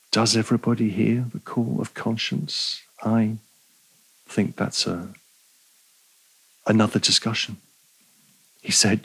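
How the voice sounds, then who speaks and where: A man delivers a university-style philosophy lecture, reading passages aloud and stopping to reflect. His voice sits low with a gravelly edge. He talks in a measured, digressive way, pausing on fillers and tossing in rhetorical questions. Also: fairly bright tone, rough recording. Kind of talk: academic lecture.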